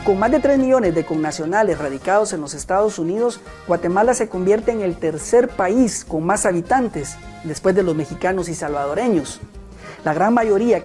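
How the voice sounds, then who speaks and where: Woman narrator, low mellow voice, news read, soft music.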